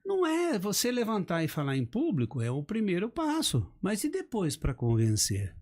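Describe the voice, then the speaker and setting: Animated man coaching public speaking. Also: high voice, moderate pace. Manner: animated, emphatic, acts out examples. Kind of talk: casual podcast chat.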